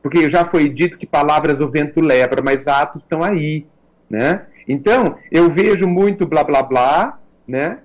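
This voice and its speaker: A Brazilian man talking as a guest on a radio talk show, reflective and measured, often checking in with a tag question. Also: a little high, rough recording. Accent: Brazilian Portuguese. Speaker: guest commentator.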